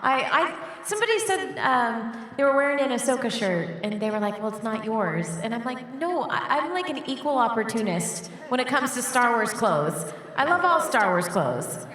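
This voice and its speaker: A woman's voice: fairly high pitch, sing-song, moderate pace, a bit bright. A woman guest on a convention panel, talking earnestly about a character she loves. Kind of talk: casual panel chat. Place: large convention hall. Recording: echoey hall from far off.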